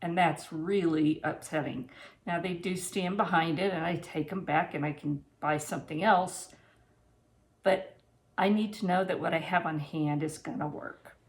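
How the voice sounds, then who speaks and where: A woman's voice: fairly low pitch, fairly even intonation, normal speed. A woman in her sixties talking casually to camera in a home kitchen, plain-spoken and practical, as a vlogger giving advice and reviews. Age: 60s. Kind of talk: casual talk to camera about preparedness and a product review.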